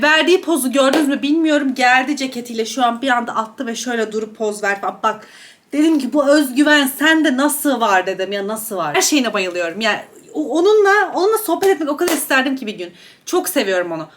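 A woman's voice: high-pitched, expressive, fast, fairly bright tone, a little hiss or hum. A young woman chatting casually while eating on camera, gossiping and gushing about celebrity outfits. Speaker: beauty and gossip YouTuber. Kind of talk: casual mukbang chat reviewing celebrity outfits.

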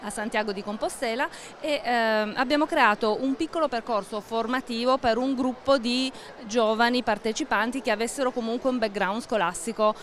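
A middle-aged woman interviewed at a fair stand, explaining a project in a measured way with frequent pauses and fillers, speaking into a handheld mic. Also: a little high, a bit bright, a little hiss or hum. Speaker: interviewee, agricultural association staff. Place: indoor exhibition stand at a book fair.

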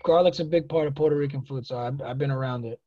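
A man in his thirties with a Brooklyn accent, hosting an upbeat, slangy chat over a video call with an earbud headset. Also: mid-range voice. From Brooklyn, New York. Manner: upbeat, slangy, quick to hype. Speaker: podcast host. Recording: dull lo-fi call audio.

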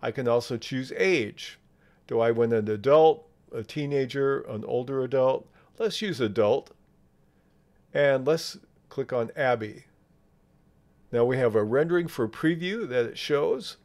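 A man presenting a software tutorial step by step in a measured, explanatory manner. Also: mid-range voice. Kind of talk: step-by-step screen tutorial narration.

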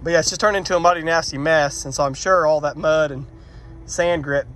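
A man's voice: a little high, fairly even intonation, fairly quick, a bit bright. A man talking casually outdoors while he works, explaining each step and poking fun at his own mistakes, recorded on a handheld phone. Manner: chatty, self-deprecating, explains as he works. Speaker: vlogger doing electrical work. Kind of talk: casual how-to walkthrough. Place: outdoors by a metal shop, rainy muddy yard.

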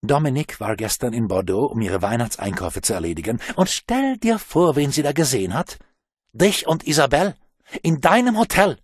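A man voicing a furious woman who scolds her lover in sharp, accusing tones. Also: medium pitch, sing-song, moderate pace, slightly rough, dry recording, voice pushed up.

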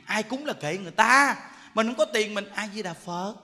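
A man giving a jokey, animated Buddhist sermon in a large temple hall, often laughing while he speaks. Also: high voice, normal speed. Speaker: Buddhist monk giving a dharma talk.

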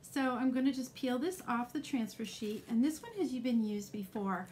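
A woman's voice: fairly high pitch, moderate pace, a little mellow, a little hiss or hum. A middle-aged woman demonstrating a craft live, explaining each step in a chatty way with frequent ums.

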